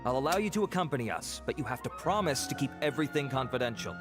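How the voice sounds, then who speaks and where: A man's voice: medium pitch, big pitch swings, quick pace, natural voice. An actor playing an earnest, dutiful male investigator, speaking formally in an anime video game. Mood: businesslike. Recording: background music under game dialogue.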